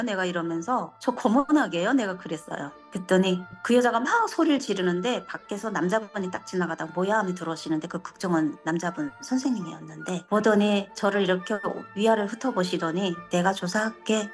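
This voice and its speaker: A middle-aged North Korean woman, speaking as an interviewee, shares her personal testimony in a lively way and acts out the dialogue. Her voice is mid-range.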